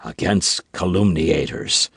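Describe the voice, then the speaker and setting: A man voicing a calm, shrewd captain of musketeers who speaks quietly and with measured composure in an audiobook. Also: deep voice, gravelly, slightly rough, no echo, full character voice. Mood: composed.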